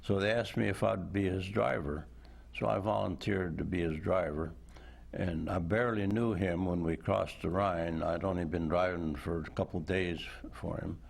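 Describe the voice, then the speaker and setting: Old guy in his 90s telling war memories, real deep gravelly voice, slow with lots of uhs. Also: fairly even intonation. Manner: unhurried, thoughtful, with frequent pauses and "uh"s. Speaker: war veteran and author. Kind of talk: interview guest recounting memories. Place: indoor television studio.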